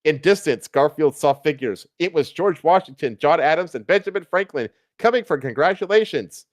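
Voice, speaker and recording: A man's voice: fairly high pitch, animated, moderate pace, dry recording, studio quality. A man reading fan fiction aloud as a streamer, in a dramatic storytelling style.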